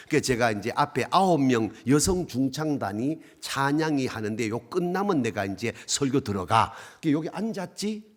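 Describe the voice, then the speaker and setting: Animated older man preaching in Gyeongsang dialect. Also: mid-range voice. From South Korea. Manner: animated storytelling, humorous, emphatic call-and-response. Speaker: pastor. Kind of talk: sermon.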